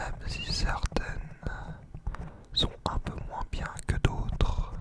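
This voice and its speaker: Against noticeable background noise, a woman whispers at a very slow pace. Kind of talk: ASMR whispered talk to camera. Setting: close microphone (studio-style desk mic). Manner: whispered, close to the microphone.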